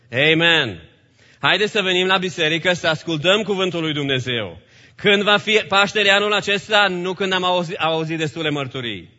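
A man delivers a sermon with a bright, forceful voice pitched a little high, rising to loud calls and dropping to hushed asides. The sound is dull and lo-fi, and it rings with a long reverb from a church hall. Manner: preaching with strong swings between loud calls and hushed, low lines. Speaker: pastor.

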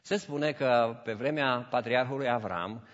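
A man preaching a sermon, telling stories and acting out the voices in them, with English phrases mixed into his preaching. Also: medium pitch. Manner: animated storytelling, acts out voices in anecdotes. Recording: dull audio with long church reverb.

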